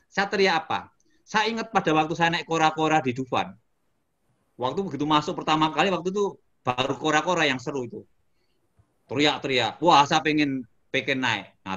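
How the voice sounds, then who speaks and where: A middle-aged man from Indonesia who works as a motivational speaker, chatting in an interview. His voice sits a little high and stays animated. He tells his story with chuckles and sudden shouted exclamations.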